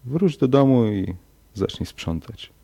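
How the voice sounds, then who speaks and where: A man voicing a calm, smug man who gives a demon quiet but firm orders in a horror audiobook. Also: mid-range voice, takes it slowly, vocal fry, breathy edge, voice pushed up, exaggerated voice.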